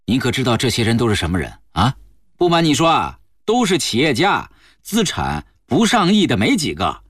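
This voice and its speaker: A man's voice: medium pitch, wildly swooping pitch, moderate pace, a bit bright, slightly rough, no echo, clean studio sound, full character voice. A man voicing a boastful, chatty middle-aged businessman who coaxes an old woman in a storybook reading. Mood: coaxing. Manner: coaxing, boastful.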